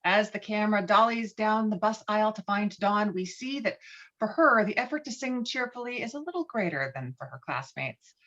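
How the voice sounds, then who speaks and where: A woman's voice: medium pitch, animated, moderate pace, a bit bright, highs cut off. A woman reading screenplay stage directions as scripted narration, on video-call audio.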